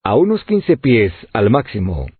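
A man's voice: on the low side, huge pitch swings, measured pace, slightly rough, no echo, exaggerated voice. A man voicing an earnest, polite young hunter in a tinny, lo-fi audiobook recording.

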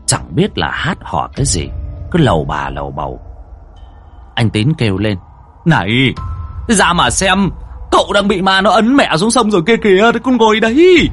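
Man telling a ghost story, wildly animated. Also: on the low side. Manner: vivid, suspenseful, swings widely between hush and alarm. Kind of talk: dramatic storytelling.

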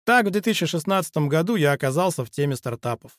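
Brief: male author in his forties, reading his own book aloud, earnest and steady, voice a shade high, dry close sound. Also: no room sound. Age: 40s. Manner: measured, earnest, addresses listener directly. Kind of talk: audiobook narration.

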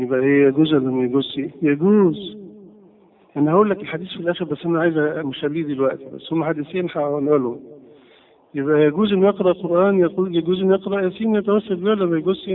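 Fast-talking Egyptian sheikh on a tinny recording. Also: male voice, on the high side. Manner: quizzes the class with repeated questions. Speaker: religious teacher. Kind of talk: classroom lesson with questions.

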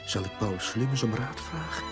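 A man's voice: medium pitch, lively intonation, normal speed, vocal fry, over music. A man acting an earnest, troubled Catholic priest with dry wit in a 1970s Dutch television drama. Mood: worried, agonised. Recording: noisy old TV soundtrack with clicks.

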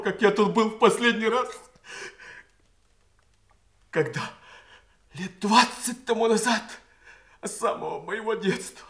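An actor playing a sensitive, anguished grown son, apologetic and halting, in an emotional audio stage drama. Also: male voice, sits high, sharp tone, heavily acted.

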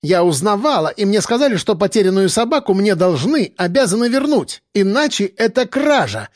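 A man voicing a shrill, brash, quarrelsome woman who yells indignantly, in an audiobook. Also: very animated, normal speed, no room sound, studio quality. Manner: screeching, indignant, yelling.

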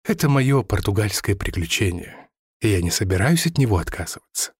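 A man reading an audiobook, voicing a courteous, apologetic Italian man abroad in a slightly lowered voice. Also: sing-song, a little fast, darkish tone, slightly rough, no echo, studio quality, full character voice.

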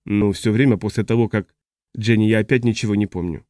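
A man reading the part of a confused, agitated man who has lost his memory, in a fretful, halting way. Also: on the low side, steady tone, a little mellow, dry recording, studio quality, close to an everyday voice. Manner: fretful, halting, trailing off mid-sentence. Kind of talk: audiobook character reading.

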